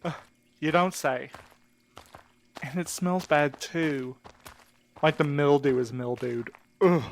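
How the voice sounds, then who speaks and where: A man's voice: a little high, takes it slowly, vocal fry, slight background noise. An actor playing a hot-tempered, heartbroken man in an audio drama, blunt and exasperated in his delivery. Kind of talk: scripted audio drama acting.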